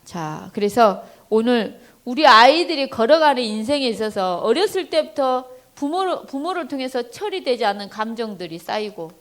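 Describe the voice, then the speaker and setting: A woman speaks to a church congregation in a sermon-style talk about raising children. Her pitch sits a bit high and swings widely as she talks. She slips into lively little voices for parents and kids and calls out to the pews. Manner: addresses the congregation directly. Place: church service.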